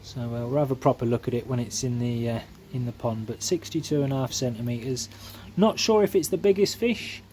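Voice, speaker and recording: Chatting homely and casual by his garden pond, this koi-keeping vlogger narrates quickly with hardly any pauses and leans on plenty of fillers. His mid-range voice is warm, with slight noise behind it, picked up by a camera mic that moves between handheld and tripod.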